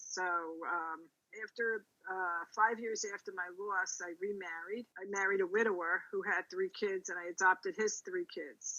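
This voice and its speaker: At a moderate pace, a woman of medium pitch speaks with a Brooklyn accent and fairly even intonation. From New York, Brooklyn. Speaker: painter and grief support group leader. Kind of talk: casual interview with painting demo. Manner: hesitant, many fillers.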